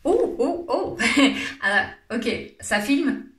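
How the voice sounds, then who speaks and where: A woman's voice: high-pitched, very animated, very slow. A woman with a French accent doing a playful, theatrical comic monologue, teasing and laughing often. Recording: roomy echo.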